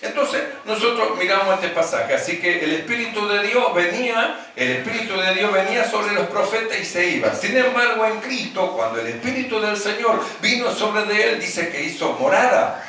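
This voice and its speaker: A man's voice: high-pitched, animated, moderate pace, sharp tone. A male pastor preaching a teaching sermon. He repeats his key phrases and keeps calling the listeners brother. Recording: very echoey room, voice from a distance off the mic.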